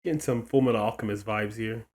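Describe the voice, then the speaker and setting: Very low-voiced woman, slangy game commentary. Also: fast talker, a little mellow. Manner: slangy, informal, brief interjections. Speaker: gaming video commentator. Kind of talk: casual reaction commentary over a game. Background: game music.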